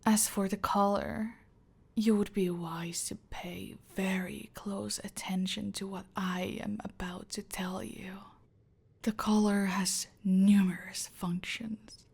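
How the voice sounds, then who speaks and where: A woman voicing a cold, domineering female cartel boss in an ASMR roleplay, speaking in a slow, deliberate, menacing whisper. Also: mid-range voice, little pitch movement, vocal fry, breathy edge, heavily acted. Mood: silkily menacing. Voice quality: soft, close whisper.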